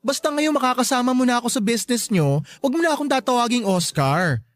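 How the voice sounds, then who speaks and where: A woman's voice: fairly high pitch, lively intonation, quick pace, dry recording, natural voice. An actor in a radio drama playing a sassy, vain young gay man with emphatic retorts. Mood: sassy, indignant. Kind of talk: Tagalog radio drama acting.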